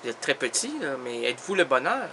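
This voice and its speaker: A man's voice: mid-range voice, big pitch swings, quick pace, pushed and bright, slight background noise. A man playing a mock-formal interviewer in a comedy sketch, questioning with growing exasperation.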